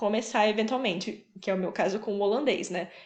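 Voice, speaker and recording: The speech moves at a fairly quick pace with fairly even intonation. Audible room echo surrounds it. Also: woman. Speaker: online course teacher. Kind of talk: online course lecture. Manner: fast; casual.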